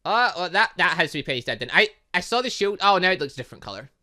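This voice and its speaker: A man giving excitable, rambling casual commentary as he plays a visual novel as a gaming host. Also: sits high, racing. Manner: excitable, rambling, reacting aloud. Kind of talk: casual game commentary with lines read aloud from a visual novel.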